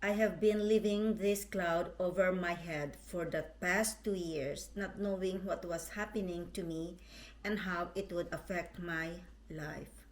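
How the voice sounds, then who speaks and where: Slow-reading woman. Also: lowish voice, steady tone. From Philippines. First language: Tagalog. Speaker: vlog host. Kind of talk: reading a prepared personal statement.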